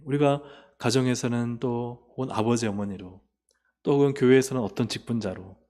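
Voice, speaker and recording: A man preaching a sermon as pastor. He asks the congregation questions and answers them himself, and he moves between emphatic rises and quiet, low endings. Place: church sanctuary. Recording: long hall reverb.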